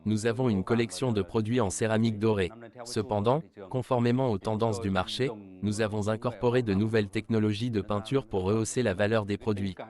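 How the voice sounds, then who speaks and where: A man reading an interviewee's translated words as a news voice-over, plain and measured. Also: fairly low pitch, fairly even intonation, a crowd in the background.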